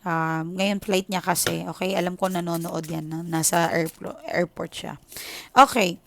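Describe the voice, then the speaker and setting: This tarot reader from the Philippines talks at a measured pace in a fairly low, flat, gravelly voice that's a bit bright, with a little hiss or hum in the background. Chatty and casual, she mixes Tagalog with English for her viewers, has a Filipino accent, and keeps tossing in "okay?".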